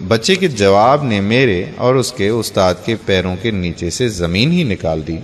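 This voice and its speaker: A man's voice: fairly low pitch, lively intonation. A man earnestly narrating a heartfelt first-person moral story, ending in pleading appeals to his listeners. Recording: long reverb on the voice.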